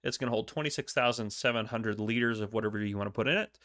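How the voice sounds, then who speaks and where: A man's voice: on the low side, fast talker, fairly bright tone, no echo, clean studio sound. A man with a congested, stuffy voice from a cold, chatting casually with many ums as the host of a gaming channel. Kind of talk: casual game news commentary.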